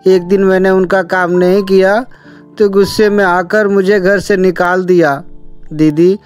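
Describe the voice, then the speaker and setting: A woman's voice: medium pitch, steady tone, a little mellow, faint music behind, close to an everyday voice. A woman voicing a sad, polite little orphan boy in a cartoon moral story, speaking plaintively. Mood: grateful, hurt. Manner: plaintive, slow.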